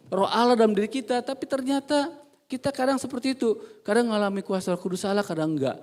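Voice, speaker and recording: A male pastor preaching a sermon in a church service, humorous and animated, quizzing the congregation and swinging from quiet asides to loud emphatic bursts. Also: high-pitched.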